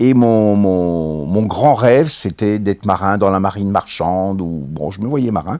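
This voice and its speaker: A man's fairly low, dark, mellow voice with lively intonation, in a dry, close sound with no echo. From France, Sarthe (Le Mans). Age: 60s. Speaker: entrepreneur, company founder. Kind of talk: interview.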